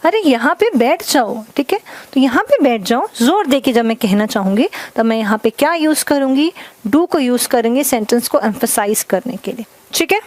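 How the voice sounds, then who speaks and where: A woman with a fairly high voice teaches a grammar class. She goes slowly and keeps checking that her students follow. The sound is close and dry, with no room echo. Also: expressive. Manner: explains slowly with many checks of understanding; mixes Hindi and English. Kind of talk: classroom lesson.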